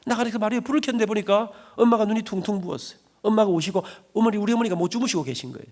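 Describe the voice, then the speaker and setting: Brief: middle-aged church elder telling an emotional testimony; high, quick voice. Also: male voice, a little mellow. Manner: dramatic storytelling, emotional. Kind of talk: sermon testimony.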